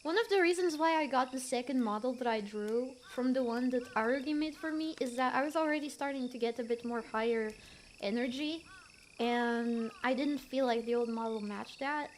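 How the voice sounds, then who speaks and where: High-voiced giggly woman streamer. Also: moderate pace, a little hiss or hum. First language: not English. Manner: giggly, chatty, trails off with fillers. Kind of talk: casual chat reading chat messages.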